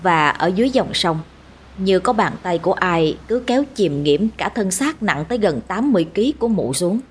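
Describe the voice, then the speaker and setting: A woman narrating a scripted village ghost story in a steady, measured way. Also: on the low side, husky.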